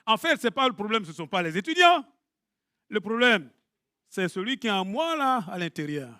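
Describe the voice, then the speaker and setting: A middle-aged pastor, preaching a lively sermon to his congregation. He swings between loud bursts and hushed asides and jokes with the listeners. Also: sits high, fairly quick, dry recording, clean studio sound.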